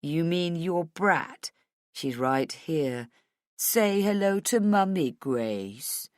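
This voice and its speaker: A woman's voice: a bass voice, expressive, measured pace, no echo, clean studio sound, pitched below the performer's own voice. A woman voicing a menacing, cruel male villain in an audiobook, mocking with a sing-song delivery. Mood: taunting.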